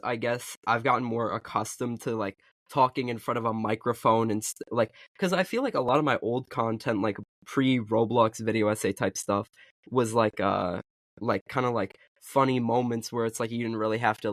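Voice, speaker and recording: A young man co-hosting a casual podcast chat, talking in halting stretches full of "like" and "uh". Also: mid-range voice, fairly bright tone, no echo, studio quality. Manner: halting, filler-heavy, lots of "like". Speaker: podcast co-host and video creator.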